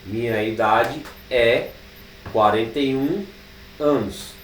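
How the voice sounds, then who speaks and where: Slow Brazilian man teaching code in an echoey room. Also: medium pitch, recorded from a distance. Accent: Brazilian Portuguese. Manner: slow, thinking aloud while typing code, drawn-out fillers. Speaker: programming teacher. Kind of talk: live coding class. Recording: echoey room, speaker away from the mic, faint background noise.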